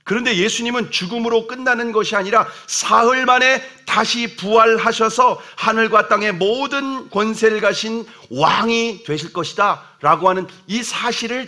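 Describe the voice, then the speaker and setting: A man's voice: high voice, pushed and bright. A man, the senior pastor, preaching a sermon to his congregation, emphatic and asking questions, acting out dialogue. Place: church sanctuary.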